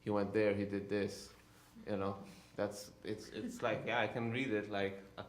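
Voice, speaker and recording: A man who grew up in Israel talks in an easy, rambling way, filling gaps with "um" and "you know". His lowish voice rings out in a roomy theater hall through a handheld mic. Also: flat delivery, moderate pace, a little hiss or hum. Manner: conversational, lots of "you know" and "um". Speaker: director and co-translator. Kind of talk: post-show talkback answers. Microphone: handheld microphone.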